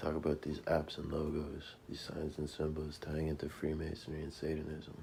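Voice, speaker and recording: This man has a very deep, low pitch and a dark, mellow tone. He sounds somewhat breathy and talks at a moderate pace. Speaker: conspiracy video narrator. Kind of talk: commentary over slideshow. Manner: quiet, not very clear.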